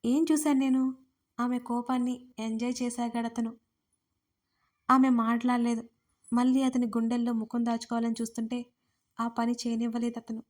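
Woman narrator, audio romance story, steady storytelling, higher pitch, flat melody. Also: normal speed, long pauses. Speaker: writer and narrator.

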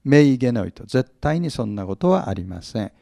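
A man's voice: mid-range voice, very animated, brisk, gravelly, mellow, no room sound, studio quality. A male pastor teaching from the Bible, often asking his audience questions, stressing words with force and acting out small humorous scenes. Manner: humorous, acts out little scenes.

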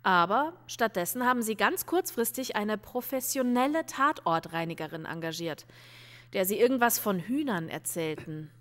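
A woman acting a no-nonsense police detective in a crime audio play. She questions insistently, with pointed sarcasm. Her medium-pitched voice carries long reverb. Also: lively intonation, normal speed, a bit bright, natural voice. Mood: sarcastic, pressing. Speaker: police investigator. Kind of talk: crime radio drama acting.

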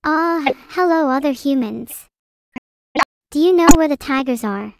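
A synthetic female AI voice that greets people as if it were one of the humans around it, asking questions in a blunt, deadpan way. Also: sits high, a little slow, noisy background. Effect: synthetic text-to-speech voice. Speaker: AI streaming companion.

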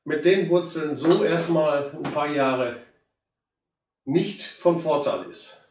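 A hoarse man in his fifties with a cold, chatting casually to viewers as he works on a plant. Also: on the high side, takes it slowly, distant mic. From Germany. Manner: relaxed, chatty, addresses viewers directly. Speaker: bonsai hobbyist. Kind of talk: casual how-to commentary while working. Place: indoor room with curtain backdrop. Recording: very echoey room, voice off-mic.

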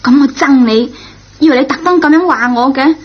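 High-pitched, contrite schoolgirl played by a woman. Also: a little fast, close to an everyday voice. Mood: earnest confession. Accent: Cantonese. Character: contrite, naively frank teenage schoolgirl. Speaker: radio drama actor. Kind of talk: radio drama acting. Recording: dull lo-fi old radio recording.

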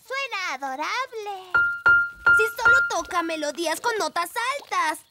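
A performer voicing an excitable, polite little fairy girl in a Latin American Spanish cartoon dub. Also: very high voice, a little slow, exaggerated voice. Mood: eager. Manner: bright exclamations, childlike eagerness. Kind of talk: animated children's cartoon dub. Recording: loud music behind the voice.

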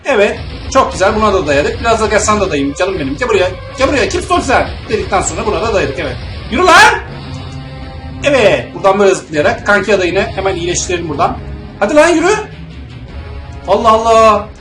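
Young guy doing let's play commentary, mumbles then yells and swears at enemies, echoey room. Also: sits high, big pitch swings, fast talker. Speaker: gamer playing a video game. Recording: roomy echo with faint game music.

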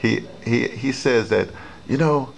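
A man's voice: medium pitch, slow, gravelly. A man interviewing a guest, asking rambling questions full of hesitations and fillers. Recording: noisy room ambience.

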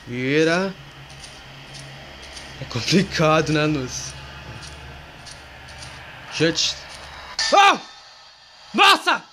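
Man, fairly high pitch, animated, chatty horror-game commentary, yelps at scares, light background noise. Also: drawn-out words, long pauses. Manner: excitable, yelps at jump scares, talks to viewers and a friend. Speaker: gamer playing a horror game. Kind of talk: casual gameplay commentary.

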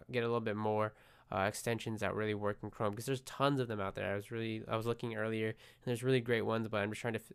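A man's voice: mid-range voice, creaky, fairly bright tone, clean tone. A man with a head cold, sounding congested as he chats casually through a screen recording. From United States. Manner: chatty, restarts often, friendly asides. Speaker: tech vlogger.

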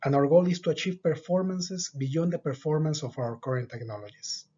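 A middle-aged man with a slightly raised, husky voice gives a measured, scripted research overview. His tone is mellow. He is recorded on a desk webcam with dull, lo-fi sound. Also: on the high side, expressive. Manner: measured, deliberate delivery with occasional filler pauses. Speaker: lab director giving a research overview. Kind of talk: scripted presentation. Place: office with a whiteboard.

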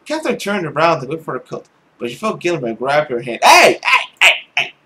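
A man's voice: fairly high pitch, lively intonation, fast talker, a bit bright. A young man reading a visual novel aloud as a let's play host, reacting in a playful, exclamatory way. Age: young adult.

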